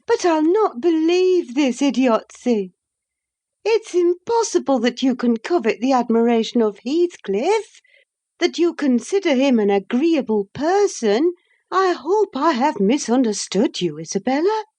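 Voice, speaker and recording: A proud young noblewoman, cutting and emphatic, her lines pitched high and swinging widely, as a woman reader puts her on. She lays out her words slowly and with declamatory weight, storybook drama in the telling. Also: big pitch swings, a little mellow. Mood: scornful. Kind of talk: audiobook dialogue reading.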